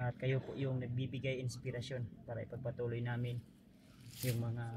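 This man talks at a fairly quick pace in a flat monotone. Noticeable background noise sits behind him. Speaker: vlogger. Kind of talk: casual vlog chat. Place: forest. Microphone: phone near.

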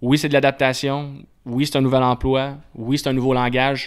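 In a Quebec accent, a man talks at a moderate pace in a medium-pitched, flat monotone over a quiet background. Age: 20s. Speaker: university football coach. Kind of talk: casual interview. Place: home room.

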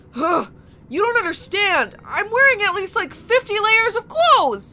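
Shouting in a put-on character voice, a woman pushes her pitch extremely high. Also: moderate pace. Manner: shouting, exasperated.

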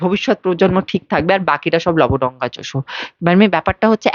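With lively intonation, a woman speaks in an animated tone. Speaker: political activist. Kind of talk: interview.

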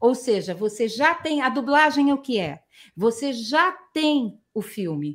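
A woman's high-pitched voice at a fairly slow pace, with very wide pitch swings over a quiet background. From Brazil. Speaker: voice actress; voice actress guest. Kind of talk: interview answer. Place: home room. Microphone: video call.

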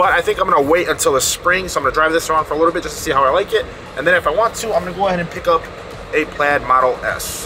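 Very fast and high-pitched, a man talks with ordinary pitch variation while music plays in the background. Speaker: car vlogger. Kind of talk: casual vlog chat. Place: car. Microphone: phone near.

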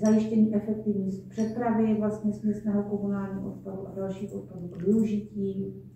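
Light background noise and strong room echo surround a woman's medium-pitched, monotone, flat voice, which has big swings in loudness and hardly any pauses. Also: moderate pace. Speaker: deputy mayor. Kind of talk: press conference. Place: meeting room. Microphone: camera far.

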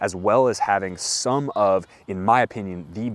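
With a fairly low pitch, a man talks at a moderate pace in a dry recording without echo. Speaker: football boot reviewer. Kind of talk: product review commentary. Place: open country. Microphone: lapel.

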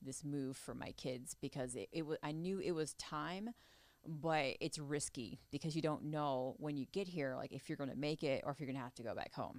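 Against a quiet background, a woman with a very deep, low voice speaks with ordinary pitch variation, the sound dry with no echo. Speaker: unit production manager; podcast guest. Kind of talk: casual interview chat. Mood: reflective, earnest advice. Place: studio. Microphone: studio mic.

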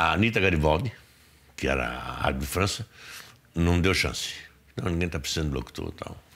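A man with a very deep, low voice speaks at a fairly quick pace. His intonation is lively, broken by long, frequent pauses. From Santa Catarina, Brazil (raised in Itajaí); Santa Catarina, Brazil. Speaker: radio newscaster. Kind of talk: interview. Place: studio. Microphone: lapel.

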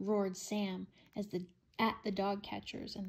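A reading voice, natural in tone.

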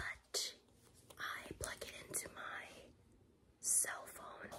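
The voice of a woman comes through in a whisper. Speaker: ASMR creator. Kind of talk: ASMR unboxing tutorial, soft-spoken. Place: home room.

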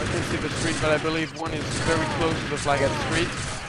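A man's fairly high voice at a moderate pace over noticeable background noise. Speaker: esports shoutcaster. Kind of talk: live commentary. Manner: halting, many fillers.

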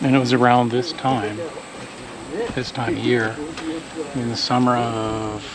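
A man speaks amid noticeable background noise. The sound is dry, with no echo. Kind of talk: casual vlog chat. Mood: nostalgic, reminiscing. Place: street. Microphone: phone near.

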